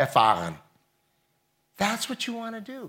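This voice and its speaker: The recording is very clean, with no background sound at all, as a man talks. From US Midwest, Michigan. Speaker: missionary preacher. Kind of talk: sermon.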